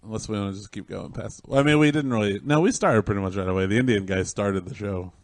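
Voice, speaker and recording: A man's voice: on the low side, quick pace, dry recording. A man co-hosting a comedy podcast, keeping the show moving with playful banter. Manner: playful, steers the show, drops into impressions.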